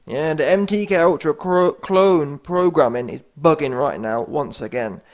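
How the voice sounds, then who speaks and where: A man hosts a comedy reaction video with mocking, slangy banter. He talks in an animated way, and his voice sits a touch high for a man. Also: measured pace. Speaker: YouTube host.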